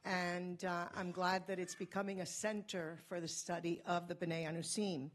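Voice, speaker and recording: Woman from Cuba, conference speaker, somewhat low voice, quick and earnest. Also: little pitch movement. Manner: fast, earnest, personal storytelling. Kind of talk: conference talk.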